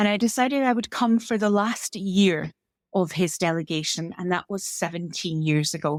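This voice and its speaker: A woman with a Scottish accent speaks in a very clean recording with a silent background, the sound dry and close with no echo. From central Scotland. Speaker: public speaking club president. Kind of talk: interview.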